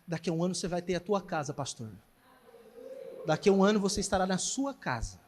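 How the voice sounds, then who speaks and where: A man preaching as pastor, telling a testimony with animated storytelling and emphatic exhortation. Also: high-pitched, fast talker. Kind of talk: sermon with testimony. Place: church hall. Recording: church hall reverb.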